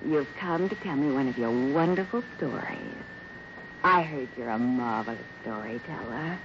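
A woman's voice: rumbling low, normal speed. An actress playing a bossy female swindler who feigns sweet affection and can be scornful, in 1950s radio drama style. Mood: cooing, flattering. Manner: tough and scornful, switching to cooing flattery. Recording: noisy, muffled 1950s radio recording.

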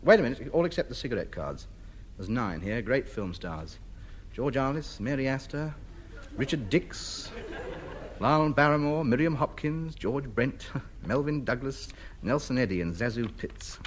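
A man's voice: medium pitch, animated, normal speed, close to an everyday voice. A man playing a pompous, blustering hoarder. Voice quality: blustering, grandiloquent. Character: pompous, self-important middle-aged man hoarding junk. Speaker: comedy lead. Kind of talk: 1950s radio sitcom acting. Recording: noisy old radio broadcast.

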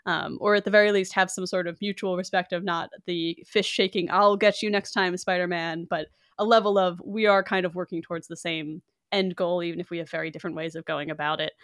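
A woman's voice: fairly low pitch, fairly even intonation, fairly quick, hardly any pauses, fairly bright tone, no room sound, clean studio sound. A woman hosting a podcast, recapping a film's plot in casual chat, with frequent fillers and small laughs. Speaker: podcast host.

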